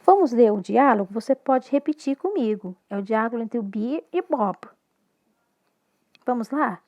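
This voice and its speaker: A woman with a Brazilian Portuguese accent, an English teacher giving a recorded lesson, speaking slowly and clearly as she moves between English and Portuguese. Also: a little high, expressive, darkish tone.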